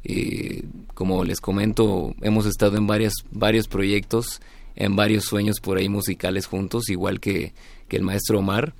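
A man's voice: fairly low pitch, flat delivery, normal speed, creaky, darkish tone, no room sound. A man speaking as an interviewed band leader, in casual, reflective talk, often searching for his words.

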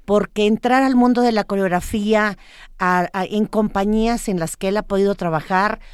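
A woman interviewing a guest, speaking haltingly and with enthusiasm. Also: medium pitch, a little mellow, clean tone, dry recording, studio quality. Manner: halting, many fillers and restarts, enthusiastic. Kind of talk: interview, hesitant chat.

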